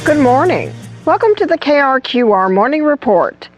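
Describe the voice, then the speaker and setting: An actress playing a polished morning radio news anchor, reading scripted headlines in an audio drama. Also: female voice, high-pitched, very animated, normal speed, over loud music. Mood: brisk, professional.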